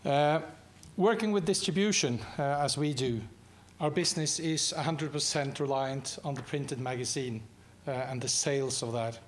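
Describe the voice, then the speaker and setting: A man's voice: mid-range voice, normal speed, hardly any pauses, slight background noise. A man from Norway with a Norwegian accent, speaking English as a second language in a university guest lecture, hesitant with many fillers and restarts and light jokes for the audience. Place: lecture hall.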